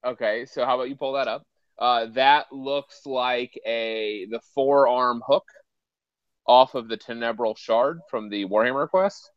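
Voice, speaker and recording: A man's voice: medium pitch, a little slow, dry recording. Man with boston accent, podcast co-host, laid-back, dull phone audio, dry. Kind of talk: casual chat.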